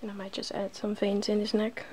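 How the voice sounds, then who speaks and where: A woman hosting a soft-spoken ASMR makeup tutorial, often slipping into a whisper. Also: medium pitch, completely flat delivery, a little fast. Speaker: ASMR video host. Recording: noticeable background noise.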